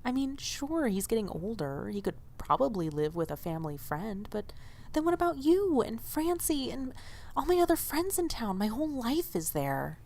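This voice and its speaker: A woman's voice: on the high side, big pitch swings, moderate pace, darkish tone. A woman playing an earnest, loyal young diner waitress in audio drama dialogue, speaking expressively and a little hesitantly. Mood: conflicted.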